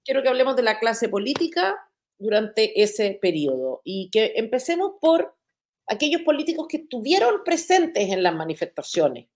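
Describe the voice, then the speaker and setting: A woman interviewing a guest, asking quick, direct questions. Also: fairly high pitch, big pitch swings, darkish tone.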